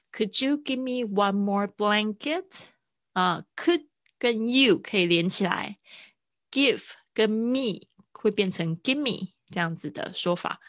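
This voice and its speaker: Low-voiced woman teaching English phrases. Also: fairly bright tone, dry recording, studio quality. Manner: explains in Chinese, slowly repeats English phrases for drilling. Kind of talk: live-stream language lesson.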